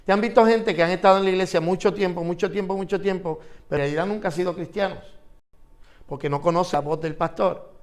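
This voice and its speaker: A man's voice: high voice, fairly even intonation, fast. A man teaching an interactive Bible class, asking his students questions and repeating phrases for emphasis.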